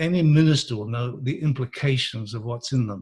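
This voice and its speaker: A somewhat breathy male voice at medium pitch, with ordinary pitch variation and a moderate pace. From Malaysia. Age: 70s. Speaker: former Adventist minister. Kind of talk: interview testimony.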